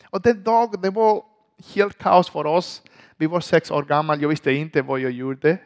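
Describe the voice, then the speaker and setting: A man preaching a sermon through a story, telling it in an animated way with halting restarts. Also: on the high side.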